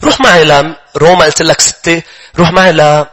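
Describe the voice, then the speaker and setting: A male pastor with a Lebanese accent delivers a sermon at a fast clip. His voice is bright and a little husky, and his tone is emphatic and urgent as he presses his points on the congregation. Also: a little high, fairly even intonation.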